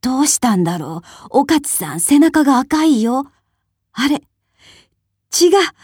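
A woman voicing a kindly old village grandmother in a storybook, speaking in a gentle, fussing manner. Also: on the high side, big pitch swings, a little slow, no echo, studio quality. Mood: alarmed.

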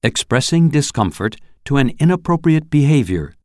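A voice announcing the headings of an English phrase lesson in a crisp, heading-like way. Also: medium pitch, very animated, moderate pace, darkish tone, no room sound, studio quality. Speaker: section announcer.

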